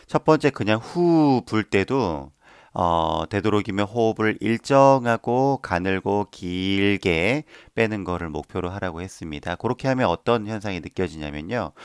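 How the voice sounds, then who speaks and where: A man's voice: low-pitched, smooth, dry recording, clean studio sound. A man teaching a voice lesson, patiently explaining each step and demonstrating the sounds himself. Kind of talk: instructional voice lesson.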